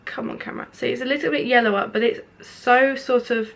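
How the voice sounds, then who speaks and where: A woman's voice: a little high, steady tone, fairly quick, gravelly, fairly bright tone. A young woman chatting her way through a makeup review. She sounds nasal and stuffed up, with a sore throat from hay fever, and fills her talk with lots of "like"s. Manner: chatty, rambling, many filler "like"s. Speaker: beauty vlogger. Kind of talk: casual product review while applying makeup. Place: indoors at home, window open.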